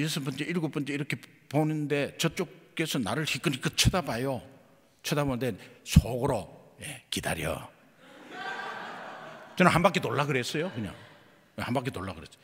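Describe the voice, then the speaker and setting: A man's voice: on the high side, slightly rough, in a large hall. A male pastor preaching a sermon in a church, telling a story and acting out the dialogue. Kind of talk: sermon testimony. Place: church sanctuary.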